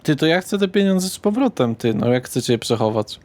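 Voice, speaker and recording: A man's voice: a little high, very animated, a little fast, darkish tone, pitched above the performer's own voice. A man playing a grumpy, blunt underworld acquaintance in a tabletop roleplay, exasperated and foul-mouthed. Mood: bossy, impatient.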